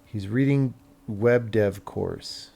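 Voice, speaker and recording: A man's voice: on the low side, slow, vocal fry, warm tone, slightly rough. A man who hosts a game development livestream, chatting casually in a dry, grumbling, offhand way.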